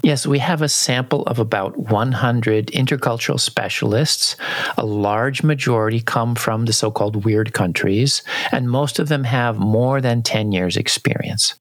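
A man's voice: mid-range voice, measured pace, dry recording. A man hosting a podcast, who guides the conversation and explains concepts. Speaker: podcast host.

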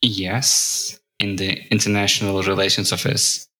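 Bright-voiced man from Turkey. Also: low voice, flat delivery, unhurried, poor audio. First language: Turkish. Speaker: podcast guest. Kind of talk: podcast conversation.

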